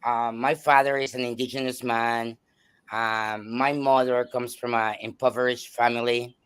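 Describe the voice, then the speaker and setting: A man from El Salvador with a Salvadoran Spanish accent, a native Spanish speaker, telling his life story as a guest with many pauses and restarts. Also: mid-range voice, level tone, a bit bright, clear, resonant tone. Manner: hesitant, many fillers and restarts. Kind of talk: personal storytelling in a talk show.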